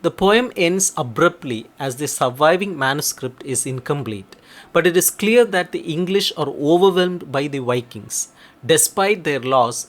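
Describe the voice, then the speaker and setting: A man narrates a scripted educational piece. His voice sits a little higher than most men's. He reads in a measured, formal manner, as the narrator of an explainer. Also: a bit bright.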